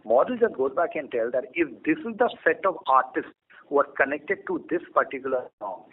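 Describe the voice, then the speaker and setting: A man's voice: a little high, lively intonation, brisk, slight background noise. An Indian man, a company executive, explains business decisions to analysts with an Indian accent and emphatic rhetorical questions. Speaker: company executive on an earnings call. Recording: phone-like conference call audio.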